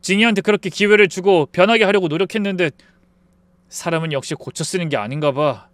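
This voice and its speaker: A man playing a young husband who shouts at his sister and turns heavy and resigned. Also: high voice, a little fast, no room sound, lightly acted. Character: enraged then broken husband, young man, stern.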